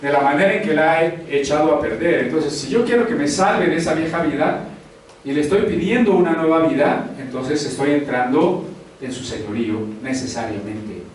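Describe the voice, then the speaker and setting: Male pastor, sermon, high-ish voice, far from the mic in a very echoey hall. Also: moderate pace, slight background noise. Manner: conversational preaching with rhetorical questions. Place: church hall.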